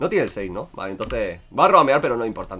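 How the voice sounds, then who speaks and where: A man's very fast, animated voice with vocal fry and very wide pitch swings. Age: 30s. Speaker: gaming streamer. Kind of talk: live gameplay commentary. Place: home room.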